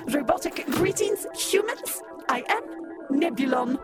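A condescending robot pitchwoman, voiced by a woman from an old-time radio ad. She sings out her slogans slowly in a high, lilting voice and sneers at puny humans. Music plays behind her. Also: lively intonation. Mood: haughty. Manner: mocking, sing-song sales pitch. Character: haughty female robot pitchwoman, scornful of humans. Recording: music bed under voice.

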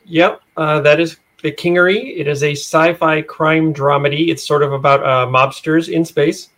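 A man's voice: a little high, steady tone, moderate pace, fairly bright tone. A man answering casually as a podcast guest, in a matter-of-fact, informative way. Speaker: podcast guest, audio drama producer.

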